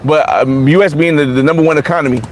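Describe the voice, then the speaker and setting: Forty-something man, high-pitched, blunt and repetitive vlogger, faint street noise behind. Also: steady tone, fast talker. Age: 40s. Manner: blunt, repetitive, many restarts. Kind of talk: casual livestream chat reading comments.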